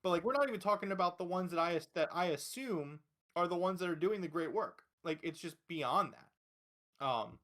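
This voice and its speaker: A man with a slightly high-pitched voice hosts a casual wrestling talk podcast. He speaks emphatically and gives his opinions freely, swearing as he goes. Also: lively intonation, normal speed, fairly bright tone. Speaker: podcast host.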